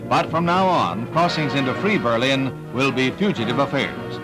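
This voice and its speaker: A man's voice: medium pitch, expressive, moderate pace, rough recording. A man narrating an old 1960s newsreel in an emphatic, dramatic voice-over. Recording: voice-over over loud newsreel music.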